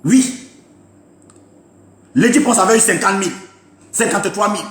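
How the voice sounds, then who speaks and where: In an echoey room, a political commentator with a high, slightly bright voice speaks at normal speed through an impassioned live-stream rant, scolding his listeners emphatically and going over his points repeatedly.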